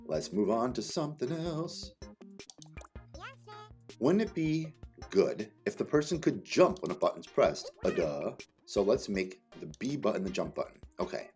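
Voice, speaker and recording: Man, tutorial read-aloud, playful teacher, exclamatory, swinging intonation, casual asides, soft background music. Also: lowish voice, sing-song, a little slow. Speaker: teacher reading game directions aloud.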